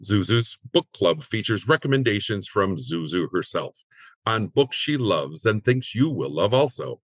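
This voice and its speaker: A male announcer reads a scripted promo. His voice is on the low side, and the recording is dry and close. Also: no room sound.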